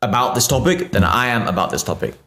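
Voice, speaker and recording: A man's voice: medium pitch, sing-song, quick pace, fairly bright tone, roomy sound. A man from the United Kingdom, tired after a long flight, talking as a podcast guest in a persuasive way and often ending points with "right?". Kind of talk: casual podcast chat.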